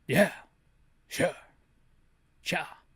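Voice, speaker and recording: A man's voice: very slow, fairly bright tone, no room sound. A man voicing a laid-back surfer-dude young action hero from a video game, breezy and drawling.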